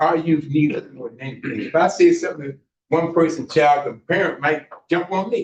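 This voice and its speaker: A man talks at a high pitch and moderate pace, with ordinary pitch variation. His loudness swings widely. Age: 70s. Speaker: community youth worker, boxing coach. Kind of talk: public meeting comment.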